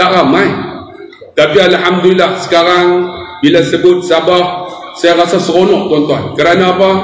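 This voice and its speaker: A man talks in a high pitch with monotone, flat intonation. Light background noise and audible room echo are present. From Malaysia, Penang. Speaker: forum moderator. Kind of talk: religious forum moderation with jokes. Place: hall. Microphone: handheld.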